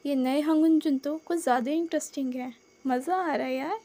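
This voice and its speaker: A woman's voice: high voice, normal speed, warm tone, close to an everyday voice. A woman voicing a young man watching in amused, chatty delight. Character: young man, gleeful gossiping onlooker.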